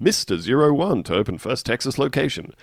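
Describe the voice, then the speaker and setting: Very wide pitch swings run through this voice with an Australian accent. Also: man. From Australia (Canberra). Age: 40s. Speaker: podcast co-host. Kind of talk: casual chat.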